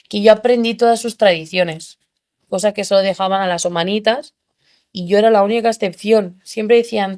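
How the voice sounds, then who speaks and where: A young woman from Spain, a podcast guest, telling her story in an animated way and acting out the people she quotes. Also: medium pitch. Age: young adult. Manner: animated, acts out quoted voices. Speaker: interview guest.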